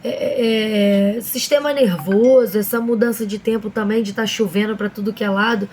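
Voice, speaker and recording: A hoarse woman hosting a casual devotional talk, addressing viewers directly with frequent fillers and reading Bible verses slowly and deliberately. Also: mid-range voice, steady tone, a little mellow, slight background noise. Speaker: online devotional host.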